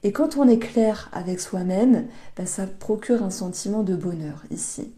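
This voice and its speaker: Woman tarot reader, very dark mellow voice, gentle, hesitant. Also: medium pitch, measured pace. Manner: gentle, hesitant, many fillers and restarts. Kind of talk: tarot reading monologue.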